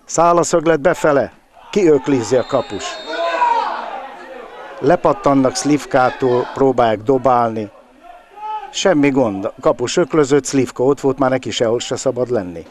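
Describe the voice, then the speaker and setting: A man giving live football commentary in an excited, exclamatory manner, with drawn-out cries and a gravelly voice. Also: medium pitch, some chatter behind. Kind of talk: live bilingual sports commentary.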